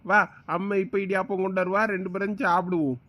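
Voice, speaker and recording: A man playing a soft-hearted village father who coaxes and defends his daughter. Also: high-pitched, little pitch movement, quick pace, a little hiss or hum. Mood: coaxing. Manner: coaxing, pleading. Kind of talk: comedy skit acting.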